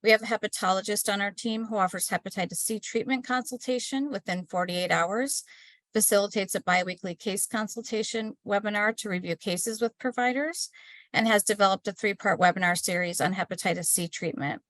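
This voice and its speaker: A woman hosting an online webinar, reading announcements and introducing the speaker in a steady, scripted way with small slips, over a computer mic on a video call. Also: mid-range voice, fairly quick, no room sound, poor audio. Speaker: webinar host.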